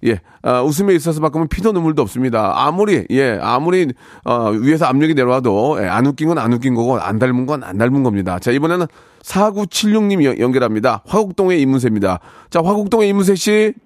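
A male radio host running a call-in segment, teasing callers with quick deadpan verdicts. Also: mid-range voice, no echo, studio quality. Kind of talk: lively radio call-in banter. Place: radio studio. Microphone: studio microphone.

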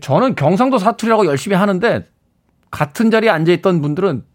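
Chatty male radio host with a lively voice. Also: sits high, quick pace. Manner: friendly, chatty, reads listener messages. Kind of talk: radio DJ talk. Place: radio studio.

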